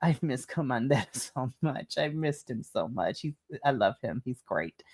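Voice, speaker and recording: A woman's voice: very deep voice, expressive, measured pace, a little mellow, breathy edge. A woman co-hosting a casual wrestling recap, chatty and enthusiastic, often breaking into giggles. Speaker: podcast co-host.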